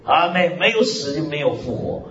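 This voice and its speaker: A man's voice: a little high, lively intonation, moderate pace, a bit bright. A man preaching a sermon as pastor, emphatic, with frequent hallelujahs and amens. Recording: echoey hall, dull lo-fi sound.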